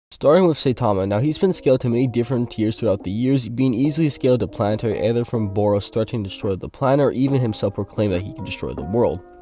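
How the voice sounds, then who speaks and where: With music in the background, a man at medium pitch talks at a very fast pace with hardly any pauses. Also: ordinary pitch variation. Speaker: anime powerscaling commentator. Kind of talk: versus debate commentary video.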